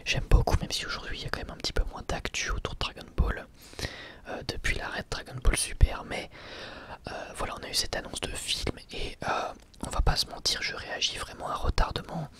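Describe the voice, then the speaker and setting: A young man speaks in a breathy whisper close to the microphone, giving casual, unscripted ASMR commentary with hesitant pauses.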